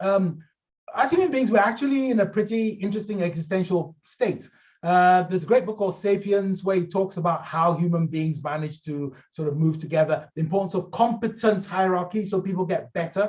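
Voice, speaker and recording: A man speaks at a fairly quick pace in an animated tone, his voice high for a man with ordinary pitch variation. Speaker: professor and keynote speaker. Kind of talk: keynote talk. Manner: fast.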